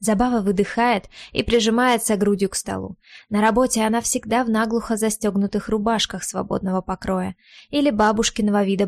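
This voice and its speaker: A woman narrating an audiobook in a measured, unhurried reading style. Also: medium pitch, creaky, a little mellow, dry recording.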